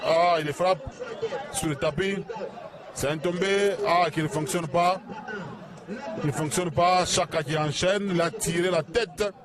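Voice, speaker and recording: Male ringside commentator with a slightly high voice, excitable play-by-play over a cheering crowd. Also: unhurried, long pauses. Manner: excited, with rhetorical questions. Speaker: wrestling commentator. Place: outdoor wrestling event. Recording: crowd noise behind.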